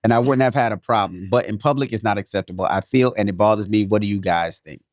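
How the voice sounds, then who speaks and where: A man from New York City co-hosting a podcast, reading a listener's email aloud and then giving his take in a joking, animated way. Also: lowish voice, fast talker, dry recording, clean studio sound. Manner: animated, jokey, repeats himself. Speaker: podcast co-host.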